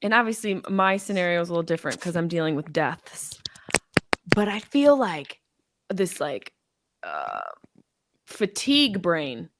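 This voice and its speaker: A woman's voice: lowish voice, very animated, a little slow, long pauses. A woman hosting a comedy podcast, brash, profane and playful with her guest. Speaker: podcast host. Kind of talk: casual comedy podcast chat.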